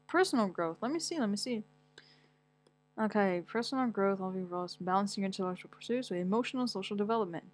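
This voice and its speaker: A woman's voice: mid-range voice, lively intonation, fast talker. A young woman from Morocco chatting casually as a vlogger, rambling and blunt, swearing often as she reads things aloud and reacts to them. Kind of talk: casual chat, reading aloud.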